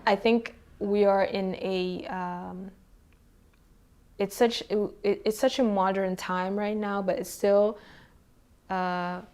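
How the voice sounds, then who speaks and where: A woman from Suriname, a poet, answering interview questions in a hesitant way, with many pauses, ums and restarts. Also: medium pitch, level tone, a little mellow, smooth.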